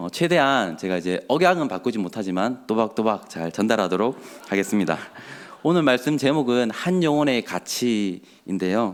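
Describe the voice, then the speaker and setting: The voice has a Daegu accent and very wide pitch swings. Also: man, medium pitch for a man, moderate pace. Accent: Daegu (Gyeongsang). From Daegu, South Korea. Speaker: pastor. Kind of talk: sermon. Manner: frequent filler 'eo' pauses.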